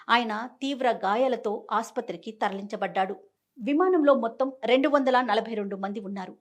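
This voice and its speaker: High-pitched female news presenter. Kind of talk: scripted news narration.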